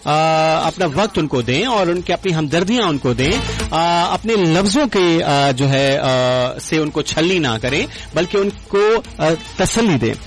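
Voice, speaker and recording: A male radio host with a fairly high voice, speaking with courtesy and formal address to his callers. He talks slowly and pauses to gather his words. Faint music plays behind him. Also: animated, poor audio. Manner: courteous, addresses listeners formally, slow with drawn-out hesitations. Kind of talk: radio call-in chat with moral advice.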